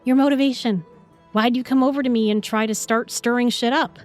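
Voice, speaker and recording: Girl playing snarky modern young woman in a fantasy audio drama, highish voice, sassy, picks fights. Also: steady tone, brisk, faint music behind, natural voice. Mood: sarcastic challenge. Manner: sassy, confrontational, casual modern slang.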